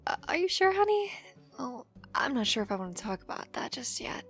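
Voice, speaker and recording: A woman playing an affectionate, teasing working wife in an ASMR audio roleplay, chatty and expressive. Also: sits high, fairly quick, exaggerated voice. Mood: gentle, caring.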